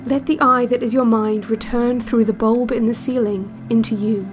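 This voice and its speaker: A woman playing a calm, controlling narrator of an institute's relaxation cassette, measured and hypnotic in an audio drama. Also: a little high, soft background music, natural voice. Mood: hypnotic, instructive. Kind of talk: scripted guided-meditation narration, audio drama.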